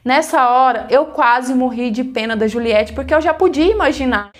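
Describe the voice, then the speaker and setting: Woman, high voice; casual first-person storyteller, chatty with fillers. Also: normal speed. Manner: plain conversational retelling with many fillers.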